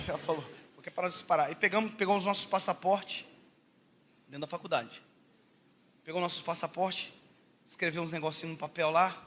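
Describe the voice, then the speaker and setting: A man from Brazil preaching a sermon told as a funny personal story, animated and laughing often, swinging between loud shouts and hushed asides. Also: high-pitched.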